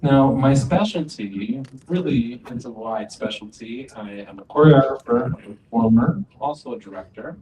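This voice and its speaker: A man voicing deaf panelists' introductions as a sign language interpreter, speaking calmly in short phrases. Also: mid-range voice, normal speed, hardly any pauses. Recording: dull, distant, echoey, faint ambient noise.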